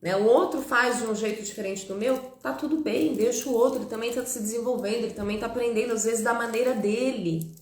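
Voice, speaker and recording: A woman's voice: on the high side, fast talker. A woman psychologist in her thirties, talking casually to live viewers, adding frequent tag questions and greeting them by name. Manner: chatty, warm asides, frequent "né?" tags, laughs with viewers. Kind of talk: live-stream talk to viewers. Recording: echoey room.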